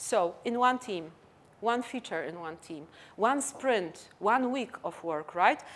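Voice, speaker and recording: Someone with a Polish accent speaks at a very slow pace with lively intonation. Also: woman. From Poland. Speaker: conference speaker. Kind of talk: conference Q&A.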